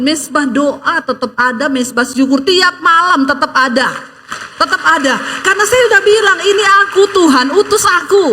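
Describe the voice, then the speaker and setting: High-voiced woman pastor preaching lively. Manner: lively storytelling preacher, acting out quoted voices, joking asides. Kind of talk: sermon.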